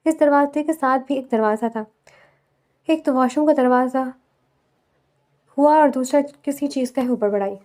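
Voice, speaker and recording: A woman reading a romantic novel aloud as a storyteller, in a steady, even style. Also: high-pitched. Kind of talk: scripted novel narration.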